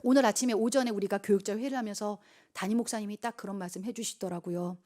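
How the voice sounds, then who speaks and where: A woman youth pastor giving an informal, exhorting sermon to teenagers, asking them direct questions and moving between emphatic calls and hushed, intimate lines. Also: mid-range voice, steady tone, quick pace. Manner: talks to listeners directly with rhetorical questions.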